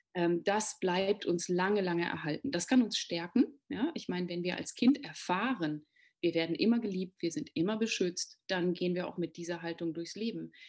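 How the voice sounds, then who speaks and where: A woman with an unremarkable speaking voice talks at a moderate pace and medium pitch, her pitch varying in an ordinary way. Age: 40s. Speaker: resilience coach. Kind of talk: interview.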